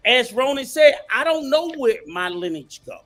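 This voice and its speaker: A man's voice: extremely high pitch, very animated, normal speed, a bit bright, soft background music. A man on a podcast panel debating heatedly, insisting on finishing his point.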